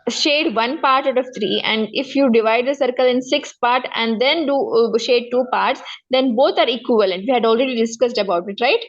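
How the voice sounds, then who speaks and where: A woman's voice: on the high side, moderate pace, hardly any pauses, lo-fi sound. A woman with a South Asian accent teaching maths one-to-one step by step, repeating herself and often checking that the pupil follows. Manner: repetitive, frequent check-in questions. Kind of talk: one-to-one lesson, explaining step by step.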